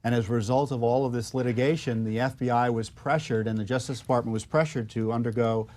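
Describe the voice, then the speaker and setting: Mid-pitched American man giving political commentary. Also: fairly even intonation, quick pace, a little mellow.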